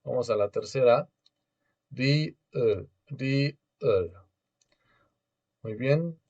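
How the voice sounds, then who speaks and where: A man's voice: medium pitch, drawn-out words, a little mellow, highs cut off. Patient male language teacher on a call. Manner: patient, drills pronunciation and has students repeat. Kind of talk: online beginner class. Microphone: video call.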